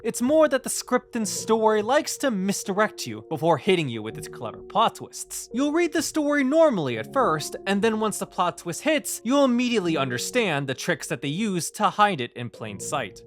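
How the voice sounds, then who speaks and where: A man narrating a scripted review video essay with expressive, emphatic phrasing. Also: a little high. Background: background music.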